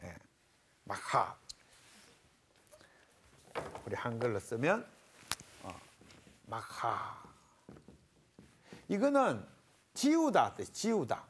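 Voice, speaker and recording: A middle-aged man, a pastor giving a Bible lecture to a panel in a folksy, animated way. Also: mid-range voice, takes it slowly, pauses often, a little hiss or hum. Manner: animated and folksy, explains Hebrew words in homely terms.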